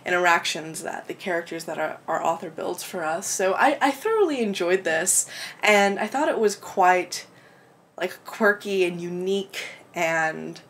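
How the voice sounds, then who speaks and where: A woman's voice: lowish voice, a little slow, fairly bright tone, a little hiss or hum. Woman, stuffy congested voice, casual book chat, rambling, swears a lot, laughs easily. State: congested, clogged-up throat. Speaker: book vlogger. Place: home room with window open.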